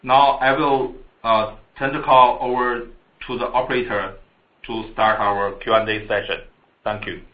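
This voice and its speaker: A man formally reading a scripted financial report as a company finance chief, halting over the figures. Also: medium pitch, steady tone. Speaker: chief financial officer on an earnings call. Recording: dull, echoey conference call audio.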